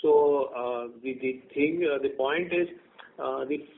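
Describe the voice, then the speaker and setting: A man with an Indian accent answering as a bank executive on a conference call, halting and repeating words as he explains in a semi-formal way. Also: medium pitch, gravelly. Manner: halting, hesitant delivery with word repeats. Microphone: telephone conference call. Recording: thin, narrow-band phone conference line.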